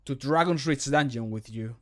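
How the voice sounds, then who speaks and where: A man, a native Spanish speaker, voicing a scolding, stern city guard for a fantasy game in a deliberate, warning manner. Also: mid-range voice, a bit bright, close to an everyday voice. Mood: commanding.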